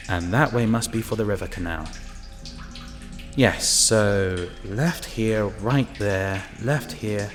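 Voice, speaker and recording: A man playing an uneasy utility inspector alone in the sewers, narrating an audio drama and musing to himself. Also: fairly low pitch. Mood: muttering, businesslike. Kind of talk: first-person narrated audio drama with muttered asides.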